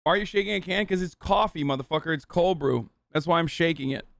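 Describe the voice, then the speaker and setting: A man hosting a live stream, reacting to his chat with heated, profane rants. His voice sits high for a man and comes through smooth and clear. The sound is close and dry. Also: quick pace, a bit bright, no room sound. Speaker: streamer host.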